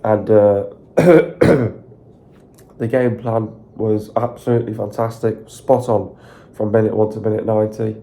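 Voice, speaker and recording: Hoarse man gushing about a football win. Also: fairly low pitch, slow. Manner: repetitive, filler-heavy, excited rambling. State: hoarse, sore throat. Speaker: football fan channel host. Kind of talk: casual solo video commentary.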